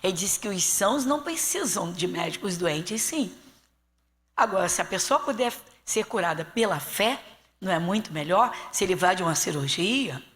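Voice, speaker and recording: A woman pastor from Brazil with a Rio de Janeiro accent, teaching a Bible class in an animated preaching manner and slowing down to read scripture aloud. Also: medium pitch. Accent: Rio de Janeiro Portuguese. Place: church hall. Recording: long hall reverb.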